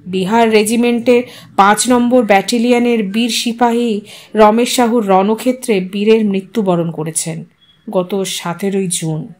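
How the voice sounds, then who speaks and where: A woman voicing a solemn male soldier who delivers grave news in a formal, measured way for an audio story. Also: mid-range voice, fairly even intonation, a little mellow, voice pushed down, close to an everyday voice. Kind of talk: audiobook character voice.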